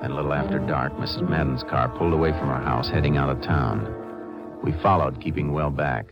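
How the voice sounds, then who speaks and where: An actor playing a shrewd, steady Texas Ranger with a laconic, folksy manner in a 1950s radio drama. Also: male voice, very deep voice, dull audio, music in the background. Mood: measured narration. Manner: laconic, folksy, unhurried authority. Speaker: lead actor and narrator. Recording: noisy vintage radio recording.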